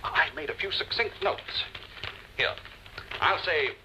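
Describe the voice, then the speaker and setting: An actor playing a pompous, self-satisfied husband who loves making grand speeches, in a 1950s television drama. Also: male voice, on the high side, slow pace, background noise.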